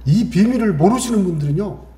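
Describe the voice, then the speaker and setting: A middle-aged male pastor giving a lively Sunday sermon. He asks the congregation questions and acts out voices from his stories. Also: high voice, fast, roomy sound.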